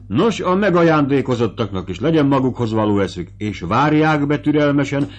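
Man, audiobook narration, low voice, lively expressive intonation, measured reading. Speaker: audiobook reader.

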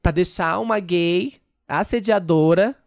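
A woman's voice: fairly low pitch, no echo, studio quality. A trans woman, a dancer and podcast guest, telling a story in a casual interview and acting out what others said. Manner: fast, animated retelling that acts out others' quoted speech. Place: podcast studio.

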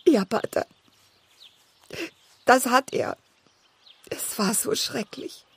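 Anxious, breathy village wife. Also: female voice, fairly high pitch, takes it slowly, a bit bright, no room sound, exaggerated voice. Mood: distressed. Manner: hesitant, pleading. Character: anxious, distressed village wife, loyal and timid. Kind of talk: German radio play acting.

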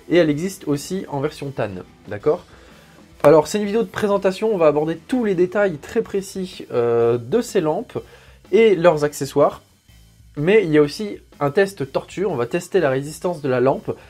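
A gear-reviewing host unboxes a sponsored product, speaking in a somewhat high, darkish voice. His delivery is chatty and jokey, with frequent fillers as he explains each step.

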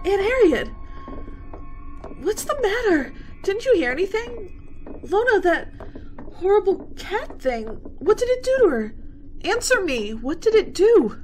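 Woman doing scared hysterical young girl, super high voice, slow stammery pleading, horror radio play. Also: big pitch swings, a little mellow, faint music behind, heavily acted, poor audio. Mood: desperate pleading. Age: young adult. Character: hysterical, frightened college girl. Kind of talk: radio horror drama acting.

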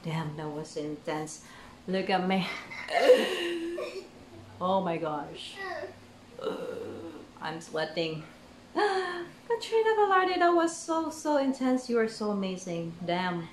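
A woman's voice: mid-range voice, sing-song, takes it slowly, long pauses, background noise. A young woman hosting a reaction video at home, exclaiming and laughing often as she comments. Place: small room at home, indoors. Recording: roomy echoey home room.

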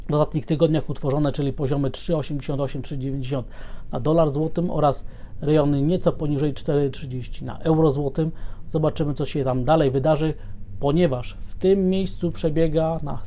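A man presenting a market commentary to viewers, explaining in a measured way, often pausing on filler sounds and restarting phrases. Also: fairly high pitch, warm tone.

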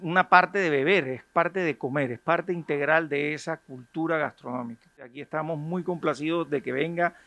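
A man talks with enthusiasm in a slightly high voice about his restaurant. The sound is dry and close, caught on a handheld mic. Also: moderate pace, hardly any pauses, pushed and bright, dry recording. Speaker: restaurant owner. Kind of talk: news interview. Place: indoor restaurant. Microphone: handheld reporter mic.

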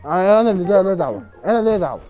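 A man with an Egyptian accent caught in a heated argument, pleading and repeating himself as he tries to calm the women down. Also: high-pitched, racing, soft background music. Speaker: coach caught in a prank.

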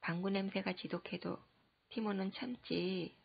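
A woman doing a giggly little girl, husky and gravelly. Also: medium pitch, fairly even intonation, unhurried. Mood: playful. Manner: breathy, half-whispered childlike voice. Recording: dull lo-fi recording.

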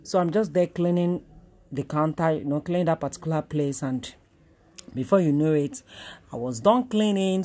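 Chatty Nigerian mom vlogging at home. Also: female voice, low-pitched, darkish tone. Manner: chatty, repeats herself, playful bursts of self-praise. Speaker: vlogger and mother. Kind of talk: casual home vlog narration. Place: small home kitchen indoors. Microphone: camera on tripod. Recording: noisy home camera recording.

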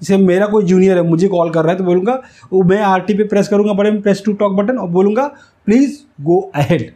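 A man teaches in a high, soft-edged voice. He explains things step by step as an instructor does, going back over key phrases so they stick. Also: brisk. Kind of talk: instructional whiteboard lesson. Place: small indoor room with whiteboard. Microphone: lapel mic.

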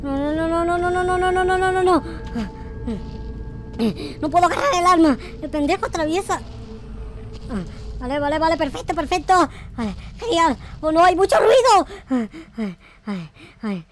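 A man playing a naive, panicky noob game character in excited, repetitive roleplay commentary. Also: extremely high pitch, normal speed, a little hiss or hum. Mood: panicked. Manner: frantic, repetitive, exclamatory. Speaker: gaming video creator. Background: faint music.

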